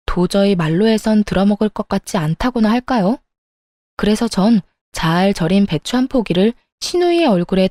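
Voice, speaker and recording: A woman in her thirties narrating a first-person family story in a calm, matter-of-fact way. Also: medium pitch, no room sound, studio quality.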